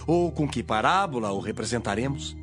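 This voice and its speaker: A man's voice: medium pitch, lively intonation, a little fast, close to an everyday voice. Male actor as authoritative holy teacher, solemn, widely varied intonation, audio Bible drama, prominent music. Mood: solemn teaching.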